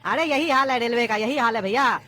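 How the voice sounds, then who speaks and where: A woman voicing a scheming father on a train in a cartoon comedy, complaining and quick-tempered. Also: on the high side, bright, forceful tone, soft background music. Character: scheming ticketless father, grown man.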